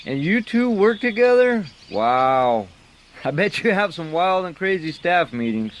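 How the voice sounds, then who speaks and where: An actor playing an easygoing, curious motorist in an audio drama. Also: male voice, sits high, big pitch swings, unhurried, a little hiss or hum.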